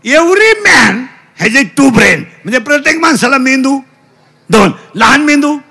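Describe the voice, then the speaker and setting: A middle-aged man preaching a comic kirtan. His voice sits very high with a gravelly fry and a sharp, piercing edge. He shouts call-and-response questions at the children and throws broken English into his lessons. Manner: mixes broken English into lectures.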